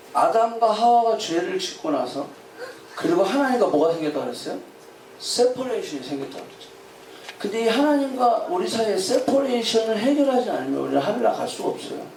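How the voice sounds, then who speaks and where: Male pastor, sermon, high voice, questions the congregation, echoey church hall, mic at a distance. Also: sing-song, brisk, darkish tone, slight background noise. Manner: questions the congregation, calls for responses. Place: church sanctuary.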